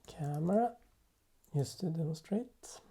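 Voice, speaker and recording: A man presenting an unscripted software tutorial in a halting way, thinking aloud as he works. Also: on the high side, animated, gravelly, husky. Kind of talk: unscripted software demo narration.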